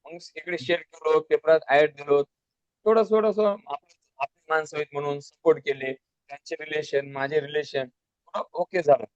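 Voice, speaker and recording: Speaking at a moderate pace with a fairly high pitch and a darkish tone, this Maharashtrian guest earnestly and plainly describes building his business, often starting sentences over. The casual storytelling interview comes through as dull lo-fi audio with no room sound.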